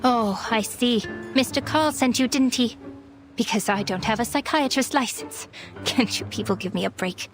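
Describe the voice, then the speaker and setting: Actress doing wry proud lady psychiatrist for a game, highish voice, sarcastic, bit of music under it. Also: normal speed, lightly acted. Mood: exasperated. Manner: dry, sarcastic, dramatic. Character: weary, defensive Viennese woman psychiatrist, proud, wry arcanist. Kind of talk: video game story voice acting.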